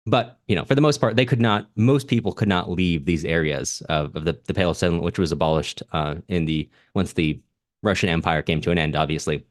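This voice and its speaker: Very deep-voiced man explaining, dry close sound. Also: fairly quick, no room sound. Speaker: podcast host. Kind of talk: explanatory literary discussion, unscripted.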